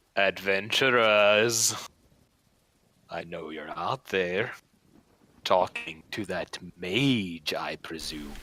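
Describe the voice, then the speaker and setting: A man's put-on character voice, fairly low and rumbling, at a very slow pace with long, frequent pauses. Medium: actual play. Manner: formal, articulate.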